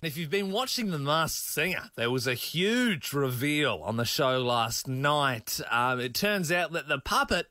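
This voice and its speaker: A man's voice: a little high, big pitch swings, measured pace, few pauses, bright, forceful tone, no echo, studio quality. A man co-hosting a radio show, teasing and laughing through the banter. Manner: jokey, teasing, laughs a lot. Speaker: radio co-host. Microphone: studio mic.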